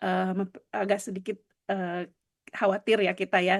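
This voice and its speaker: A woman talks at medium pitch with ordinary pitch variation. The background is quiet. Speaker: lecturer training teacher educators. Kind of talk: lecture. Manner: halting.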